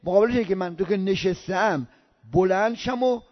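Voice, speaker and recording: An older man from Iran giving a religious lesson on prayer, slowly drawing out Arabic sounds as he demonstrates them. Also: sits high, highs cut off. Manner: slow drawn-out recitation of Arabic sounds. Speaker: cleric teaching prayer.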